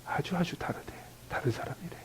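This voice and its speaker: A man's voice: a little fast, poor audio. A Korean man in his fifties preaching a sermon as pastor, often dropping to a near whisper on key phrases, then lifting his voice to act out quoted family talk. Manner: acts out quoted family dialogue in a higher, louder voice.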